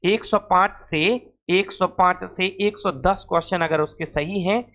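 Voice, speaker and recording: A man's voice: sits high, steady tone, a little slow, fairly bright tone. A man teaching an informal exam-prep class, repeating phrases and asking questions that he then answers himself.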